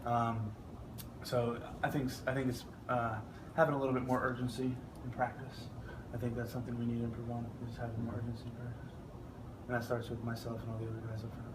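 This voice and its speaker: Flat-toned young male athlete, noisy background. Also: mid-range voice, quick pace. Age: young adult. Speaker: football offensive lineman being interviewed. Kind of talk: press scrum interview answers. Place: media scrum with ambient noise. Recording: clearly noisy ambient background.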